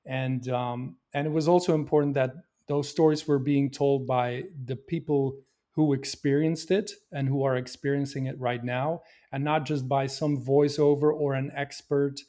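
A man from Belgium answers questions about his film in a mid-range voice. He talks earnestly and thoughtfully, often pausing with fillers and restarting his sentences. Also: medium pitch, steady tone, mellow. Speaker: filmmaker. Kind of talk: interview answers.

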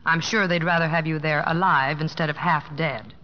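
An American actress playing a devoted, gently scolding wife in an old radio drama, earnest and solicitous. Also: female voice, low voice, steady tone, normal speed, lightly acted. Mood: concerned, firm. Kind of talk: 1950s American radio drama, acting and narrating. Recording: dull vintage radio recording, music behind.

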